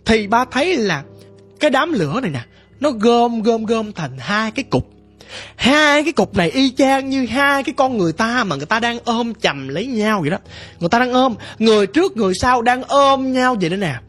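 A woman's voice: a little high, expressive, fairly quick, breathy edge. A woman narrating a ghost story in first person, vivid and emphatic.

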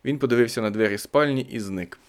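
Man narrating an audiobook, steady. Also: mid-range voice, fast, clear, resonant tone. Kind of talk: audiobook reading.

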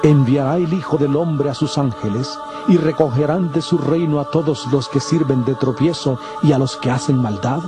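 An actor playing a calm, solemn male teacher of parables in a dramatized scripture audio, speaking in a measured, deliberate way. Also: mid-range voice, close to an everyday voice. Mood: solemn explaining. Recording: constant prominent music under the voice. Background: music.

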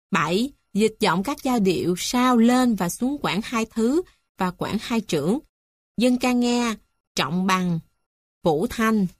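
Woman, textbook reader, slow and even, higher voice, dry close sound. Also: no echo. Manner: slow, measured, list-like reading. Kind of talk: reading a music theory textbook aloud.

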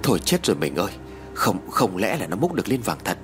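A fretful village wife, as a male narrator puts her on, murmuring her worries in a lowered voice. Faint music sits behind this storybook reading. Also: big pitch swings, brisk. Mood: worried whisper. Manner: hushed, fretful.

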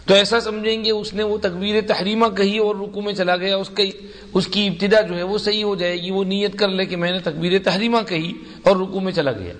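A man's voice: high-pitched, fairly even intonation, a bit bright. Man teaching a hadith lesson, reverberant hall. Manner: explanatory, slow and deliberate. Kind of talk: religious lesson.

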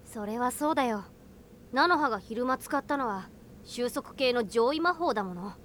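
Gentle young boy wizard, anime drama, highish lively voice, earnest lil teacher type. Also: moderate pace, a little hiss or hum. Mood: calm, explaining. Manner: soft-spoken, earnest, teacherly. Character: gentle, studious young boy mage, a small animal companion. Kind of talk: Japanese anime audio drama acting.

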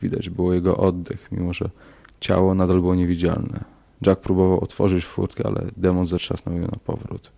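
A man narrating a horror story in a slow, measured audiobook reading. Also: low voice, completely flat delivery, vocal fry, warm tone.

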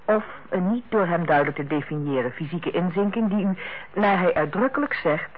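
An actress in a Dutch radio play as a female hospital director, authoritative yet kindly, speaking in a measured, formal and persuasive way. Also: on the low side, lively intonation, slightly rough. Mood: earnest, careful. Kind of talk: Dutch radio drama acting. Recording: muffled, band-limited old radio recording.

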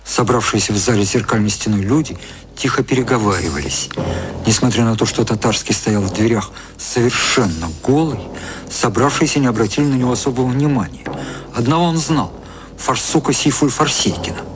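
A man's voice: medium pitch, a little fast. Echoey male narrator over music. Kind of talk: scripted radio drama narration. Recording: roomy echo.

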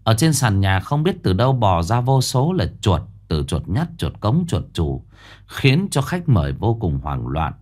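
A man narrating a ghost story in an expressive storytelling manner. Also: on the low side, a little slow.

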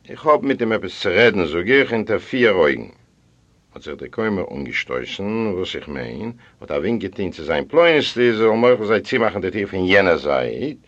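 A man reading a story aloud in the first person, expressive and swinging between hushed and loud passages. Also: lowish voice. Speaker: audiobook reader. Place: library recording room. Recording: dull lo-fi audio.

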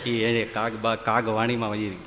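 A man, telling humorous devotional stories to a hall in a lively, folksy way. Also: lowish voice, normal speed, slight background noise. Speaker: folk storyteller.

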